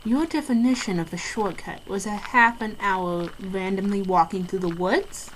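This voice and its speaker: A woman's voice: mid-range voice, normal speed, a little hiss or hum, lightly acted, rough recording. A woman playing a sarcastic, dryly spoken character lost in the woods in a scripted horror-show skit, grudging but game. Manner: dry, sarcastic.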